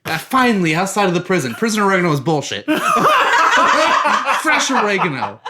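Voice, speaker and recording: A woman's voice: medium pitch, wildly swooping pitch, moderate pace, heavy background noise. A woman co-hosting a podcast, trading wry, joking banter. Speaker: podcast co-host. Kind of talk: casual banter.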